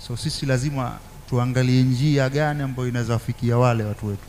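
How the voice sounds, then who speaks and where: A man's voice: mid-range voice, steady tone, quick pace, a little mellow, a little hiss or hum. A man with an East African accent, a native Swahili speaker, speaking earnestly as a guest in a talk show discussion. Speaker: panel guest. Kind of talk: talk show discussion, mixing two languages.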